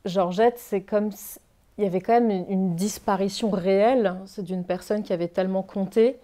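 Mellow-voiced reflective young woman author. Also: medium pitch. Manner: reflective, repeats words as she thinks. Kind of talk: bookshop author talk. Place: bookshop reading event, indoors.

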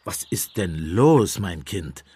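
Lively, husky fatherly priest. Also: sits low, takes it slowly, exaggerated voice. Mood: soothing, kindly. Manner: soothing, kindly, mildly sly. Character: gentle, fatherly village priest, quietly persistent. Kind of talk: German radio play acting.

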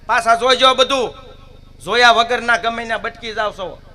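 A man's voice: very high-pitched, moderate pace, bright, forceful tone, pitched above the performer's own voice, exaggerated voice. A man voicing a fussy middle-aged wife who keeps calling her husband back and scolding him. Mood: nagging.

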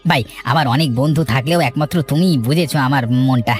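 A man's voice: mid-range voice, a little fast, faint music behind, close to an everyday voice. A man voicing a two-faced, ambitious cartoon villager, sly and eager, who swindles his neighbours. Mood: eager, scheming. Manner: smooth-talking, sly, eager. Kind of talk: dramatic cartoon voice acting.

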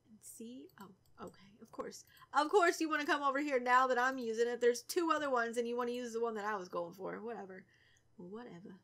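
A young woman with a cold, stuffy and a little raspy, chatting casually through a let's play and teasing the characters. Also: a little high, fairly quick, a bit bright. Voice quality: slightly raspy. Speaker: gaming YouTuber.

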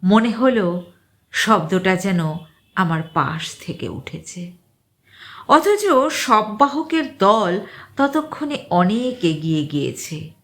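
A woman storyteller narrates eerie fiction in a mid-pitched voice. Her reading is slow and suspenseful, with deliberate pauses. The intonation rises and falls widely, giving the scripted prose a dramatic, expressive shape.

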